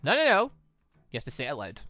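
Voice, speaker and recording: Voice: mid-range voice, wildly swooping pitch, quick pace, sharp tone, dry recording, soft background music, pitched below the performer's own voice. A British performer voicing a protective, suspicious young woman in a visual novel. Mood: stern, protective. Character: protective, suspicious young redhead girl, guarded.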